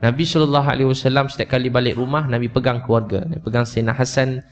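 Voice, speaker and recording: A middle-aged man with a Malaysian Malay accent, preaching in a mosque with animated storytelling and often calling out to the congregation. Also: mid-range voice, racing, highs cut off. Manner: animated storytelling, addresses the crowd as bang and kakak. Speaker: ustaz preacher. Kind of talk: mosque religious talk. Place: small mosque prayer hall.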